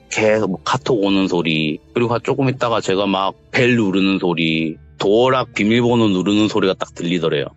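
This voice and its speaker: This interviewee is a man relating a supposedly true ghost story, speaking informally and voicing its characters himself. When he quotes them, his pitch climbs and he yells. Faint music sits behind a muffled, low-fidelity sound.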